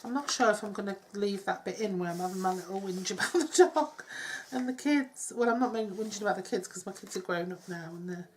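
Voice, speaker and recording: A woman's voice: mid-range voice, a little fast, a little hiss or hum. Chatty woman with a cold. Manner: rambling, self-deprecating, drops to soft asides. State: congested with a cold. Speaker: craft tutorial host. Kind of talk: chatty step-by-step craft demonstration. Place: home craft table. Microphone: overhead camera on hands, speaker off-screen.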